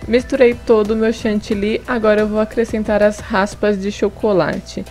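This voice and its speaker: A woman's voice: medium pitch, little pitch movement, normal speed, darkish tone, soft background music. A young woman hosting a home cooking video, chatting through each step and adding friendly tips in a voice-over. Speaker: cooking channel host. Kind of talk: casual recipe demonstration. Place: home kitchen table.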